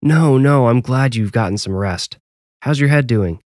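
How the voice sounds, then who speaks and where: A man's voice: mid-range voice, normal speed, darkish tone, dry recording, studio quality, natural voice. A man playing an affectionate, caring father of a young boy in a story.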